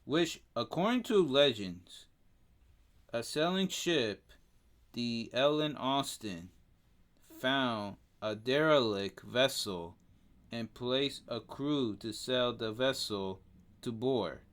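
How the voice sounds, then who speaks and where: Speaking with a Spanish accent, this native Spanish-speaking man co-hosts a casual podcast and reads facts haltingly, fumbling names and filling gaps with lots of fillers. He has a medium-pitched, animated voice that is a bit bright.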